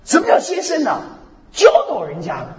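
A man preaching a sermon with lively storytelling, repeating "hallelujah, amen" again and again, swinging between loud and soft. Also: extremely high pitch, normal speed. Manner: peppers speech with "hallelujah, amen" refrains. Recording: echoey hall, dull lo-fi sound.

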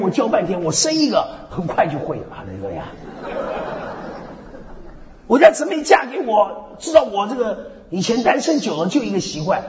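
A man preaching a sermon with lively storytelling, repeating "hallelujah, amen" again and again, swinging between loud and soft. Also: high-pitched. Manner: peppers speech with "hallelujah, amen" refrains. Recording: echoey hall, dull lo-fi sound.

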